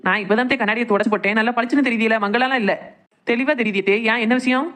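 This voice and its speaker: Woman acting a fast-talking cheeky young daughter-in-law. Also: fairly high pitch, steady tone, fairly bright tone, close to an everyday voice. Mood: teasing. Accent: southern Tamil Nadu. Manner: teasing, mock-innocent. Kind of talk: cartoon comedy drama dialogue.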